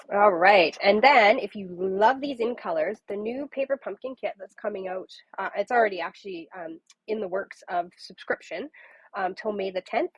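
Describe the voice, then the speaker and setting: Sitting at her home craft table, a woman with a cold chats on a papercrafting livestream, greeting viewers by name. Her nasal voice is medium-pitched, husky, and unhurried. The recording is dry and lo-fi.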